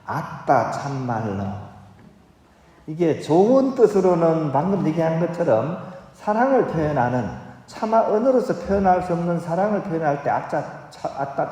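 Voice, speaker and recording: Man, priest giving a homily, playful and coaxing, booming church reverb, long hall echo. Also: dark tone. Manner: playful, coaxing the congregation to join in. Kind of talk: Catholic Mass reading and homily. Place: large church.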